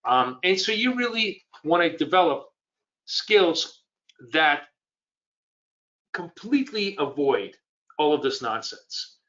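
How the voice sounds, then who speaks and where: A man's voice: a little high, fairly bright tone, dull audio. A man with a cold and a scratchy voice, teaching trading in a live webinar, talking loosely and quizzing his viewers. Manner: rambling, conversational, quizzes the audience. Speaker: trading educator.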